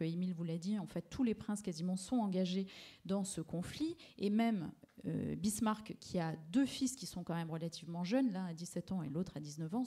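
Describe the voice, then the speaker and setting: A woman's voice: mid-range voice, warm tone. A woman giving a public lecture on paintings, talking through slides with many fillers and restarts. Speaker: art historian lecturer.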